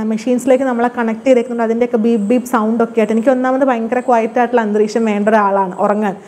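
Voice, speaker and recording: A woman with a high voice tells her own story in a relaxed, chatty vlog. She talks quickly and drops English words into her sentences. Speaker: vlogger telling her own birth story. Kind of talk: casual personal storytelling.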